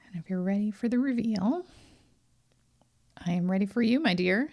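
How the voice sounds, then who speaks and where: A woman's voice: medium pitch, moderate pace, creaky, a little mellow. Eager chatty woman podcast host. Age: adult with children. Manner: earnest, eager, chatty with many ums and restarts. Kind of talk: guided remote viewing reveal, casual podcast talk.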